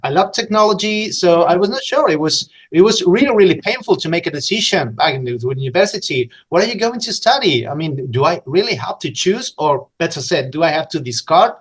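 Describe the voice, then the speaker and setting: A man's voice: on the high side, animated, a little fast, hardly any pauses, husky, low-quality recording. A middle-aged man from Spain with a Spanish accent, a podcast guest talking unscripted and with enthusiasm, often restarting and repeating words. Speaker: podcast guest, localization trainer.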